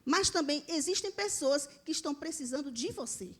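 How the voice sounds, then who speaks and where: A woman's voice: high-pitched, lively intonation, moderate pace. A Brazilian woman pastor preaching a sermon in church, earnestly addressing the congregation as brothers and sisters. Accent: Brazilian Portuguese.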